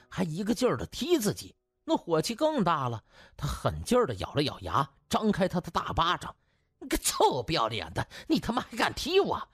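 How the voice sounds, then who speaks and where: A man narrating a comic audiobook in a theatrical, colloquial storyteller's manner with a husky voice. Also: fairly high pitch.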